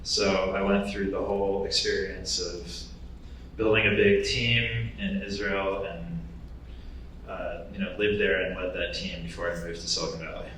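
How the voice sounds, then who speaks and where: A man speaking on a conference panel as a company founder, confident and brisk. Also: low voice, steady tone, a bit bright, a little hiss or hum. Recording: echoey hall, distant mic.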